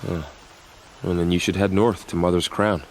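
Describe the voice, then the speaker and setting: Deep gruff tribal warrior. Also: male voice, little pitch movement, moderate pace, slight background noise. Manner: gruff, weary, proud. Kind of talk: video game cutscene acting.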